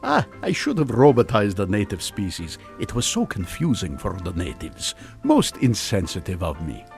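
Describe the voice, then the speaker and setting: Nonchalant older villain, retired mad scientist: dry wit, hugely animated pitch, radio comedy with music underneath. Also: male voice, normal speed, vocal fry, exaggerated voice. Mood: breezy teasing. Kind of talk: comedic radio drama acting. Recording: music behind the voice.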